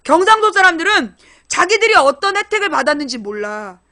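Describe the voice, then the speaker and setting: High, bright-voiced woman ranting bluntly. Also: sing-song, fairly quick. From Seoul. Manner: blunt, ranting, swears casually. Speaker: political internet broadcaster. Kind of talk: casual political monologue.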